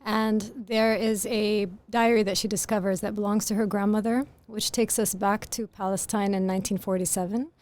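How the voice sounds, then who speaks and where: A woman with a very soft voice speaks as a podcast guest. She explains her ideas in an earnest, articulate way, at a middle pitch for a woman. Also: steady tone, normal speed, few pauses. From grew up in Greece. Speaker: author guest. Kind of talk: podcast interview.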